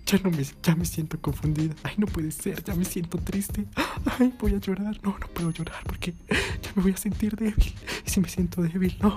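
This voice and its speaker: A man's voice: high voice, a little mellow, pitched above the performer's own voice, close to an everyday voice. A man voicing a distraught, self-pitying young woman, talking melodramatically in a raised voice. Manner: melodramatic, swings from sobbing to anger.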